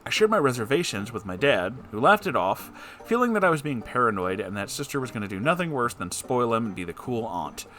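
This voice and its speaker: A man's voice: mid-range voice, very animated, a little fast, bright, forceful tone, faint music behind. A man hosting a letter-reading show, performing listeners' letters expressively and answering with wry, conversational advice. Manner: theatrical, wry asides.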